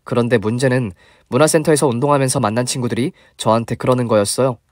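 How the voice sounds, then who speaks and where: A man's voice: mid-range voice, fairly even intonation, fast, no room sound, studio quality. A man giving scripted storytelling narration in a chatty, confiding manner.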